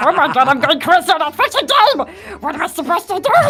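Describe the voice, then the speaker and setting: A put-on character voice with extremely high pitch rattles along at a very fast pace amid clear background noise. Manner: hissing, crazed.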